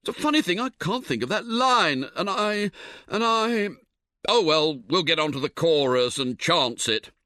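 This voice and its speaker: A man voicing a flustered, bumbling English amateur singer at a party in a comic audiobook, halting, blustering and excitable. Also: a little high, no room sound, pitched above the performer's own voice.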